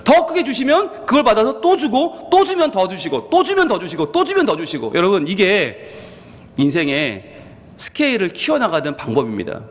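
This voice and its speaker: A male senior pastor preaching a sermon, with sudden swings in pitch and volume, acting out what his listeners might think in quoted asides. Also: sing-song, normal speed, in a large hall. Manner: acts out the congregation's thoughts in quoted asides. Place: church sanctuary.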